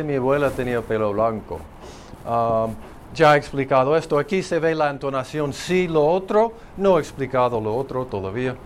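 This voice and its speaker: Male phonetics lecturer, unhurried, a bit high-voiced, faint background hiss. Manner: slow, explanatory, thinking aloud with fillers. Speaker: phonetics teacher. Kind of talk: spoken lecture.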